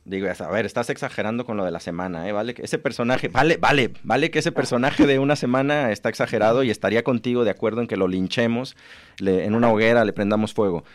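A man's voice: mid-range voice, fast talker. Mexican man with a mixed accent. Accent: Mexican mixed with Spain. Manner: thoughtful, explains at length, self-deprecating. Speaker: radio guest, writing workshop teacher. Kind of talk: radio interview. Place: radio studio.

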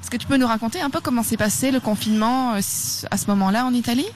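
Woman radio host, friendly interviewer, fairly high pitch. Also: racing, background noise.

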